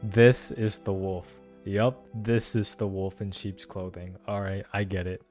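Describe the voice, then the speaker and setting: Low-voiced young man reacting casually. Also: flat delivery, a little slow, a little mellow. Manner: slangy, musing. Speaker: gameplay reaction host. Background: game music.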